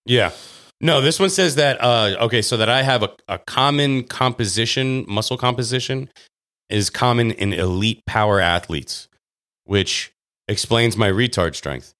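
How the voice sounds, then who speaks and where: A man co-hosting a podcast in casual banter, blunt, jokey and quick to swear. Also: mid-range voice, fairly bright tone. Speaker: podcast co-host.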